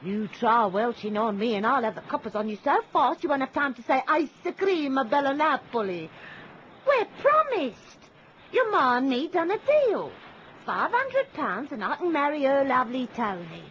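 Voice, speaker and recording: A woman's voice: high-pitched, big pitch swings, moderate pace, a bit bright, a little hiss or hum. A woman playing a scheming fortune-teller and con artist with a coarse, bullying manner in a radio drama, slightly muffled recording. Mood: menacing.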